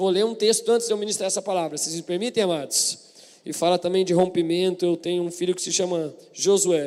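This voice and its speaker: This man talks at a very fast pace. His pitch sits high. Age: 40s. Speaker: pastor. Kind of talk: sermon. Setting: church.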